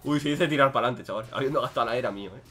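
A young man giving casual, joking commentary over his own gameplay, swinging between loud outbursts and low muttering. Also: very fast, slight background noise. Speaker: gaming streamer.

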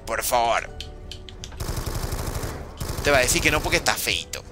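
Music plays in the background as a gaming streamer talks at normal speed in a medium-pitched voice with wide pitch swings. His casual livestream commentary mixes jokes and slang, and he reads viewers' chat aloud to answer it.

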